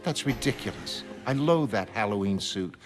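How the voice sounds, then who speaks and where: A man's voice: fairly low pitch, expressive, moderate pace, lightly acted. A man voicing an exasperated, sarcastic young woman, a former heroine. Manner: sarcastic, scoffing. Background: music.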